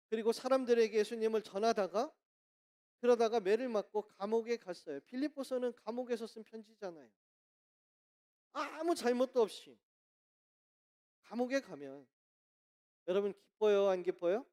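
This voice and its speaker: Woman pastor, lively sermon, questions to the congregation, church hall. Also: fairly high pitch, moderate pace, long pauses. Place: church sanctuary.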